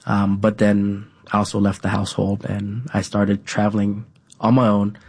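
Halting low-voiced man, lots of fillers. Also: flat delivery, darkish tone, husky. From United States. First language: Vietnamese. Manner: halting, many pauses and fillers, often adds "right?". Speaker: interview guest. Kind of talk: casual conversational interview.

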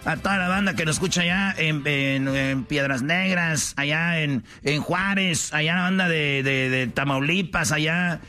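A man's voice: on the high side, normal speed, few pauses, faint music behind. A Mexican man hosting a sports talk show, joking and teasing in slangy banter. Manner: loud playful teasing, slangy. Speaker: radio sports show host.

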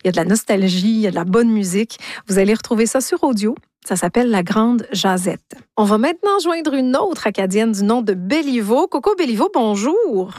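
A woman radio host with a rather high voice asks questions in a clear, measured way. The sound is dry and close, with no room around it. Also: animated, a little mellow, no room sound. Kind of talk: radio interview.

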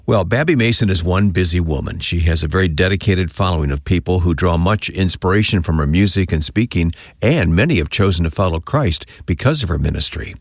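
A man's voice: deep voice, expressive, brisk, few pauses, no echo, studio quality. A man who hosts a radio interview show, introducing his guest and chatting with her and laughing along. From Michigan.

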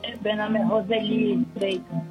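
A woman's voice: mid-range voice, fairly even intonation, normal speed. A Brazilian woman calling in to a radio prayer show and chatting casually over the phone. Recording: dull phone call, music behind. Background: music bed.

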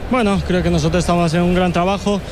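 A man, a footballer interviewed at halftime, answering hesitantly with pauses and fillers. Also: high voice, steady tone, crowd noise, background noise.

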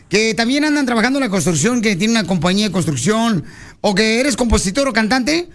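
A man running a lively radio interview. He keeps joking and teasing, calls the guest "hermosa", and his voice sits high for a man. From Mexico. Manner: playful, teasing, calls the guest pet names. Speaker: radio show host.

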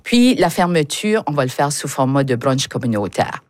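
A woman's voice: deep voice, very animated, normal speed, no echo. A woman, speaking in an enthusiastic, informal way as a radio guest. The sound is close and dry, with no room around it. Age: 60s. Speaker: guest, event president. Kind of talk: radio interview.

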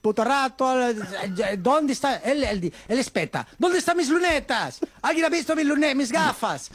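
Guy putting on a fake italian accent, young spaniard, high voice, sprinkles italian words everywhere. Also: big pitch swings, moderate pace, a bit bright, no echo, heavily acted. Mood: mock-Italian. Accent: put-on Italian. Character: young man from Alicante faking Italian. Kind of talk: comic sketch interview.

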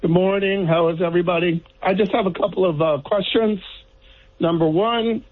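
A man from the Virgin Islands calls in to a radio program over a tinny phone line. His voice is husky and a little raised in pitch. He talks directly and works through his numbered points in turn. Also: steady tone, normal speed. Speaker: caller. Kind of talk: call-in radio question. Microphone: telephone.

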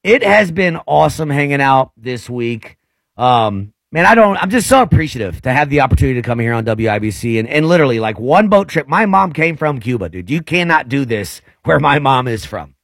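A man's voice: mid-range voice, very animated, a little fast, creaky, a bit bright, dry recording. A man in his forties co-hosting a casual radio show, joking and plugging events. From United States. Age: 40s. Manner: playful, joking. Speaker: co-host. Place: radio studio.

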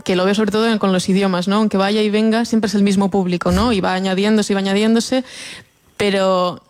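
A woman in her twenties from the Basque Country, a native Basque speaker, chatting about her music in a relaxed, somewhat hesitant way. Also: medium pitch, brisk. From Basque Country, Spain. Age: 20s. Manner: relaxed, hesitant, laughs softly. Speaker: singer, interview guest. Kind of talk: casual interview.

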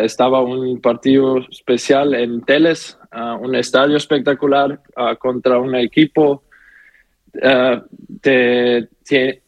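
This is a young man taking interview questions, his speech unhurried and full of pauses as he reaches for words in a language not his own. The sound is dry and close, with no room around it. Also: medium pitch, no room sound, muffled recording. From Austria. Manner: halting non-native speech, many pauses and fillers. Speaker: footballer guest. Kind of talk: phone interview answers.

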